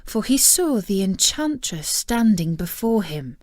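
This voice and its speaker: Female storyteller: unhurried fairy-tale narration, very animated intonation, dry close sound. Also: mid-range voice, no room sound.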